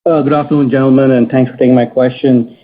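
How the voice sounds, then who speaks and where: A man speaking as a financial analyst, politely and haltingly putting questions on a conference call. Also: mid-range voice, little pitch movement, slight background noise. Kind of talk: conversational earnings call questioning. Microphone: telephone. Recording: narrow tinny phone line.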